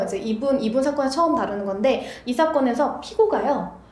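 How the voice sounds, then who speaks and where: A woman speaks at a fairly quick pace with lively intonation. Noticeable background noise and audible room echo surround her voice. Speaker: lawyer and law school lecturer. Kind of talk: online lecture. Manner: fast.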